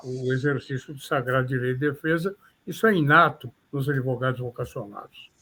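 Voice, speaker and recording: An older man from São Paulo with a São Paulo Portuguese accent, a criminal defense lawyer recalling his career in measured, formal interview answers. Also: medium pitch, pushed and bright, breathy edge. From São Paulo, Brazil. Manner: measured, formal, slightly florid phrasing.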